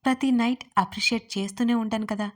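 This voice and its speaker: A young husband who teases his wife and then flares into sharp scolding, read by a woman narrator. The voice sits a little high for a man, and it comes across as a storybook character rather than a full act. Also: steady tone, fast talker, close to an everyday voice. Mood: teasing. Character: adult male husband, teasing but quick-tempered. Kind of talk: audio story reading.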